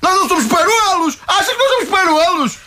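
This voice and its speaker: A man putting on a squeaky, shrill football club president with a European Portuguese accent, rambling and defensive, forever protesting and chuckling to himself. The voice sits extremely high and bright and cutting, a radio comedy caricature. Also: lively intonation, quick pace, a little hiss or hum, full character voice. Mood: indignant. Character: blustering provincial male football club president.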